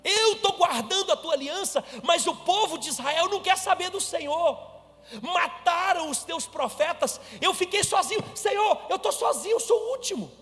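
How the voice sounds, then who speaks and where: A man's voice: very high voice, animated, moderate pace, fairly bright tone, long reverb tail, voice pushed up, exaggerated voice. A man voicing a despairing, lonely old male prophet who pleads in a strained, raised voice.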